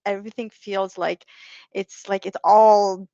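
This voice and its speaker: A woman's voice: mid-range voice, fairly even intonation, measured pace, dark tone, no room sound. A middle-aged woman from Lebanon, a divorce mediator, talking as a guest on a podcast, hesitant with many restarts and fillers. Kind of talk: podcast interview. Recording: dull, dry, lo-fi sound.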